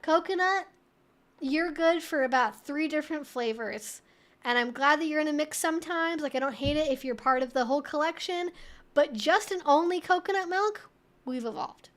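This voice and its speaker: A woman's voice: sits high, moderate pace. A woman hosting a casual live Q&A, chatty and rambling as she thinks aloud while answering viewers. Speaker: livestream host answering viewer questions. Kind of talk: casual live Q&A chat, reading out viewer messages.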